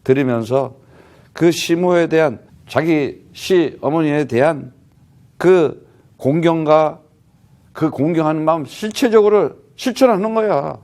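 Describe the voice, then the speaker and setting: On the high side and a little mellow, a man's voice moves at a measured pace as he delivers a missionary's sermon. He speaks plainly and conversationally to the congregation, emphatically posing rhetorical questions and often adding "huh?"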